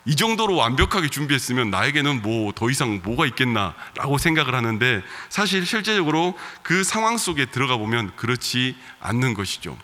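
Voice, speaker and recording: A male pastor with a regional Korean dialect accent, preaching a conversational sermon with soft laughs and fillers. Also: mid-range voice, sing-song, fairly quick, few pauses, in a large hall. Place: church sanctuary.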